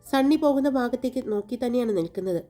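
A woman storyteller reading a romantic audiobook, her voice fairly high yet warm and mellow. She narrates calmly and evenly while soft music plays faintly behind her. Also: quick pace. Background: faint background music.

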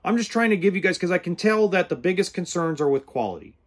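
His voice is animated, fast and husky, a little high for a man. This podcast host in his forties speaks bluntly and earnestly to the camera with hand gestures, casual and plain-spoken, from an RV or home kitchen into a nearby studio mic with a pop filter.

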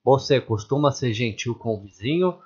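A man's voice: mid-range voice, expressive, normal speed, darkish tone, slightly rough, muffled recording. A man hosting a reaction channel, cutting in with joking, ironic comments over the clip.

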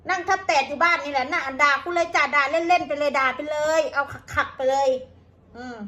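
A woman's voice: high voice, fairly quick, bright, forceful tone. A woman with an Isan accent, talking straight to her viewers in an angry, combative rant full of curses. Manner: coarse, combative, cursing. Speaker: vlogger.

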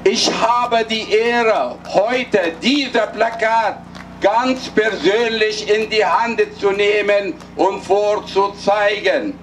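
An older Egyptian man whose first language is Arabic speaks slowly in a high voice at a political rally, solemn and deliberate, often halting and restarting. He addresses an outdoor night rally in a city square through a handheld mic, filmed by a distant camera. His voice sounds far off, mixed with street noise.

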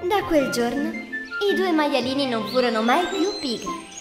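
A woman storyteller with a high voice narrates a children's fairy tale from a script. Music plays clearly behind her. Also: expressive, measured pace.

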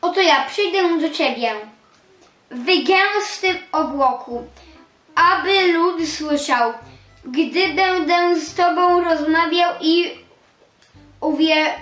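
Very high, slow, halting female reader. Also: fairly bright tone, echoey room, faint music behind, poor audio. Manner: halting, stumbling syllable by syllable. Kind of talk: halting read-aloud of scripture dialogue.

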